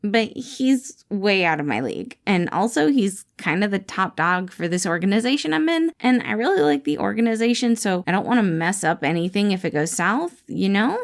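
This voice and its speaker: A woman's voice: mid-range voice, lively intonation, moderate pace, vocal fry, hardly any pauses. A woman voicing a nervous, eccentric young man who talks in a hesitant, awkward way.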